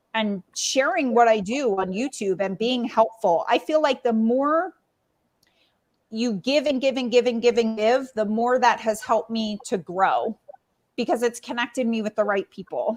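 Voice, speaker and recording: Dry and close with no echo, the recording captures a woman with an ordinary speaking voice, fairly high pitch, ordinary pitch variation and a moderate pace. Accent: American. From Pennsylvania. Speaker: real estate investor. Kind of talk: interview. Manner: casual, many fillers like 'like' and 'um'.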